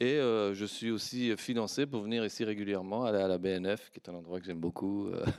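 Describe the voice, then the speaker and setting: In a very clean recording with a silent background, a man speaks at a moderate pace. His pitch is fairly low, with ordinary pitch variation. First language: Persian (speaking French). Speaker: historian, senior lecturer in the UK. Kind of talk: panel discussion answer. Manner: halting, many hesitations.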